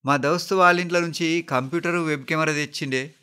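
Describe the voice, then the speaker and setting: A man voicing a grieving younger brother with a Telangana accent, hoarse from crying and pleading urgently. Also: fairly high pitch, fairly even intonation, quick pace, sharp tone, voice pushed up.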